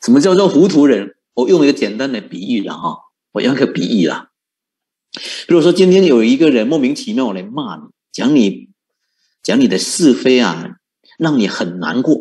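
A man giving a Buddhist dharma talk as a monk teacher, asking rhetorical questions and chuckling often. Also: medium pitch. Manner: animated, rhetorical questions, frequent chuckles and drawn-out particles.

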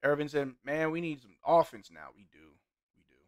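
A young man doing live play-by-play and chat reading while watching a game, his voice getting hoarse, in a small room at a desk mic. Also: a little high, a little fast. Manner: play-by-play calls mixed with relaxed banter. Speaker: sports watch-along streamer. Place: small indoor room with gaming chair.

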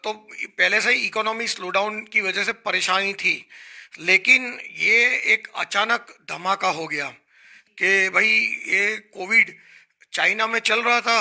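Gravelly, bright-voiced Indian man. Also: sits high. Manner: earnest, explanatory, with fillers. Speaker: hotel association guest. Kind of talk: talk show interview. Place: small studio set, indoors. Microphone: handheld mic.

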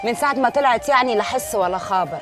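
An actress playing a nosy young neighbor with an Egyptian accent who sweet-talks and swears oaths. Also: female voice, a little high, animated, rapid-fire, over music, close to an everyday voice. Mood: flattering. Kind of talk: TV drama acting.

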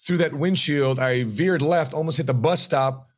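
A middle-aged man, a retirement planner, tells his story as an interview guest, animated and acting out quoted voices, in a home office on a podcast mic. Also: on the high side, normal speed. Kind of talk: interview conversation. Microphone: podcast mic on boom arm.

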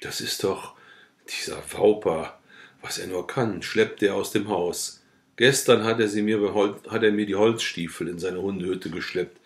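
A man's voice: lowish voice, normal speed, creaky. A man reading the lines of a frightened young peasant woman who makes flustered excuses. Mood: defensive. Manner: flustered, defensive.

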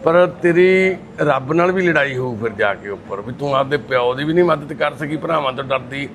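A man's voice: medium pitch, normal speed, over a noisy crowd. A man working as a charity volunteer, talking in a consoling, brotherly and firm way. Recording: loud background noise.

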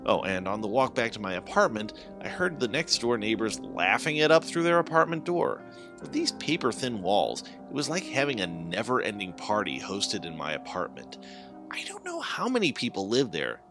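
Low-voiced man narrating with swooping pitch. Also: very animated, normal speed. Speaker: horror story narrator. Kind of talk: dramatic first-person scripted story narration. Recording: background music under the voice. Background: music.

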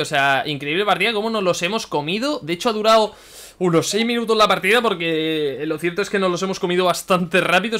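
Excitable young gamer, bright voice. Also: male voice, a little high, clean tone. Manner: excitable, swears a lot, shouts at the game. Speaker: gaming YouTuber. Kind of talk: live gameplay commentary.

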